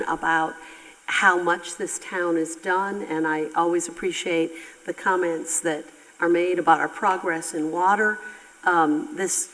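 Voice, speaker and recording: A woman with a low voice, worn and half gone, chairs a town council meeting as mayor. She is polite and procedural, and the hall gives her voice a long reverb. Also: a bit bright. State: losing her voice.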